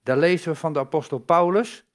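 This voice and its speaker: A man's voice: a little high, brisk. A man giving a sermon in a conversational way, asking the congregation rhetorical questions and stressing key words. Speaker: preacher.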